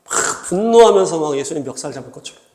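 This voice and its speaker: A man's voice: fairly high pitch, lively intonation, rapid-fire, warm tone, roomy sound. A man preaching a sermon as pastor, earnest and at times acting out the voices he quotes. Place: church hall.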